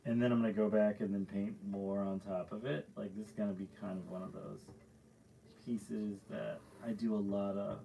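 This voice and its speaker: Gravelly low-voiced man chatting in a studio. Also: little pitch movement, normal speed, warm tone, a little hiss or hum, low-quality recording. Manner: rambling, loose storytelling with many fillers. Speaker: painter hosting a live stream. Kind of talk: casual chat while painting live. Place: art studio.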